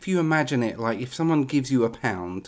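A man speaks at a moderate pace with an English accent and a medium pitch. The recording is very clean, with a silent background. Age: 40s. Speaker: podcast host. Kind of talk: casual chat.

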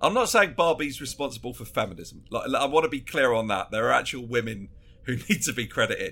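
This man's voice has a bright, sharp tone with vocal fry and lively intonation. His pitch sits in the medium range. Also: fairly quick pace. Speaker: podcast co-host. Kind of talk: casual chat, comedy podcast.

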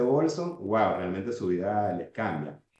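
With audible room echo around him, a man speaks at a moderate pace in a medium pitch, his dark, mellow tone somewhat breathy and marked by very wide pitch swings. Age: middle-aged. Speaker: health coach and nutrition scientist. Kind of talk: interview conversation.

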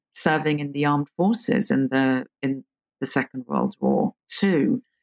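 With a southern English accent, a woman's voice swings very widely in pitch, recorded with a dry, close sound and no echo. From London. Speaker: author and fashion historian. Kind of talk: interview.

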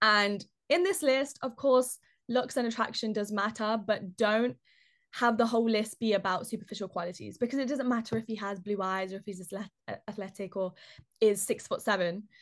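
With a British accent, a woman speaks at a moderate pace and a fairly high pitch against a quiet background. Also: ordinary pitch variation. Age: 20s. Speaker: content creator. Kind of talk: interview conversation.

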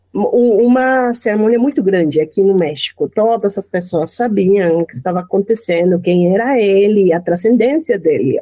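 With a Spanish accent, a woman speaks at a medium pitch in a dark, mellow tone with lively intonation. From Mexico. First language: Spanish (speaking Portuguese). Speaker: teacher. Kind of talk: casual chat.

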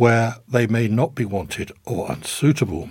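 A somewhat breathy male voice with an English accent. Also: very clean recording, silent background. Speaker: volunteer newsreader. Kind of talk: reading aloud. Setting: studio.

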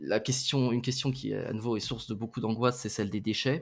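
A man talks at a fairly quick pace with vocal fry. His medium pitch shows ordinary pitch variation. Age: 20s. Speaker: nuclear energy engineer. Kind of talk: interview. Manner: halting, many hesitations.

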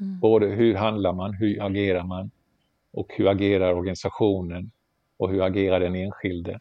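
With monotone, flat intonation, a man talks in a fairly low pitch at a moderate pace. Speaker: retired aid official and whistleblower. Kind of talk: interview. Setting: video call.

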